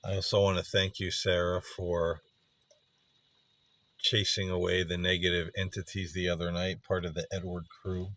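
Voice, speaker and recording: A middle-aged man hosting a spirit session, speaking reflectively and earnestly in halting phrases with pauses mid-sentence. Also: low voice, flat delivery, fairly bright tone. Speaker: spirit box session host. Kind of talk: slow reflective monologue addressed to a spirit.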